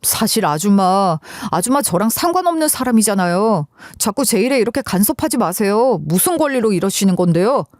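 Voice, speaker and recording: A cold, arrogant young man, put on by a woman narrator in a dramatized radio story. He drawls his words with sneering contempt, his voice sitting at an ordinary middle pitch. The recording is dry and close. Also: big pitch swings, brisk, few pauses, a little mellow, dry recording, natural voice.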